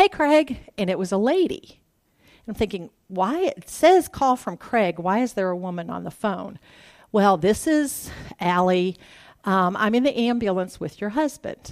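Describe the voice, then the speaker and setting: On a very clean recording with a silent background, a woman in a Southern US accent speaks fairly slowly at a medium pitch with lively intonation. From US South. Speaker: churchgoer giving testimony. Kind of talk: testimony.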